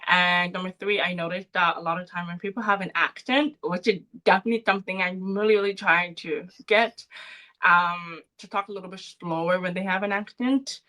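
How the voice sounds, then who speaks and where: Young woman, soft voice, bright and clear tone, earnest, explains point by point, podcast guest. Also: on the low side, fairly even intonation, a little fast. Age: young adult. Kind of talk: casual interview talk.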